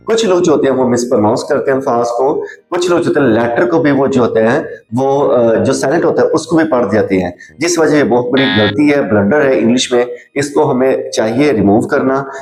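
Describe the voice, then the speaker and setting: A man teaching a language lesson. He drills each word by repeating it several times and mixes in slow English example sentences. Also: medium pitch, animated, darkish tone, reverberant, rough recording.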